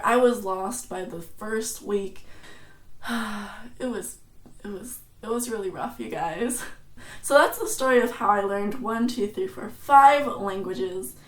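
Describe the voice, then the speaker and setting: A young woman from San Francisco with an American accent talks casually to her viewers about herself. She is chatty and self-mocking, with a middle-pitched voice. The room around her sounds roomy and echoey. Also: fairly bright tone. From San Francisco, USA. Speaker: travel and food vlogger. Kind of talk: casual chat to camera.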